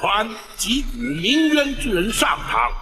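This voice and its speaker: An actor playing a stern, upright official judge who gives measured commands in a period drama. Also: male voice, a little high, sing-song, fairly bright tone, slight background noise. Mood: commanding. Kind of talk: Mandarin period drama dialogue.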